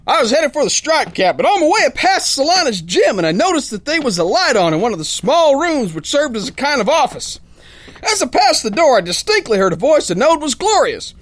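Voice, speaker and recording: A very high, swooping voice for a rough-and-ready sailor boxer. He spins his yarn in folksy, ungrammatical slang, naive and big-hearted. It is theatrical radio-play narration with lots of lively swing. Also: heavily acted. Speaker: first-person narrator.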